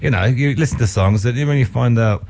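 A man's voice: mid-range voice, a little fast, darkish tone. A man hosting a casual radio interview, effusive and enthusiastic. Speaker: radio host.

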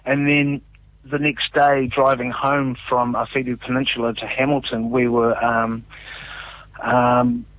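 A man with a New Zealand accent, a musician guest telling stories in a relaxed, animated way in a casual radio interview. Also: mid-range voice, measured pace, no echo, narrow, tinny audio. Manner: animated storyteller, relaxed and chatty.

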